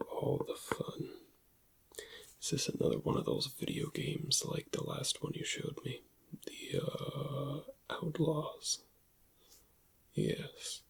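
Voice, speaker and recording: A man playing a shady alien dealer in black market antiquities, in a hushed, whispery ASMR roleplay with a gravelly voice and a musing manner. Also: mid-range voice, heavily acted. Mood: suspicious, insistent. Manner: hushed, unhurried, musing over goods. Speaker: ASMR performer.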